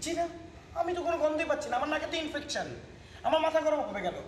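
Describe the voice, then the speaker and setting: A man's voice: very high-pitched, expressive, rapid-fire, a little hiss or hum. An actor playing an irritable young man who answers with sarcastic jabs. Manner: sarcastic, snappish. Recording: echoey room with music.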